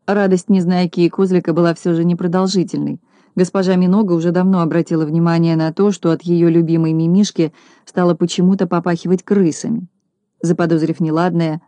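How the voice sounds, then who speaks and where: A woman narrating a children's storybook in a calm, measured reading. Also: lowish voice, no echo. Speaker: audiobook narrator.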